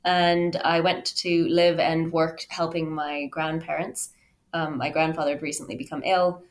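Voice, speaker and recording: Low-pitched woman telling personal stories. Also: little pitch movement, measured pace. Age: 30s. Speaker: podcast guest, linguist. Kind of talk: conversational interview, personal storytelling.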